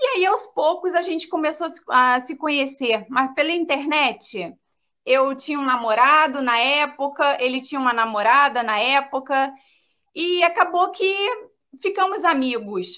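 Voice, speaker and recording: Her voice is high-pitched for a woman, raised and projected, with a bright, sharp tone and lively intonation over a quiet background. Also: fairly slow pace. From Brazil, Minas Gerais. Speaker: mother in a heritage-language group, psychologist. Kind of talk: personal life story in a live interview. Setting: online live stream.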